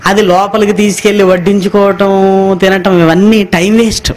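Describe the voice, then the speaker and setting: A man's voice: high-pitched, little pitch movement, normal speed. A man preaching a sermon, asking the congregation rhetorical questions and repeating phrases for emphasis. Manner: reads scripture line by line, echoing the congregation.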